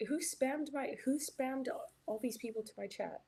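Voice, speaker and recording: A woman's voice: high voice, moderate pace, vocal fry, warm tone, slightly rough. A young woman from Canada, chatting casually as a live stream host while reading her chat, with lots of "like" and "um". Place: hotel room.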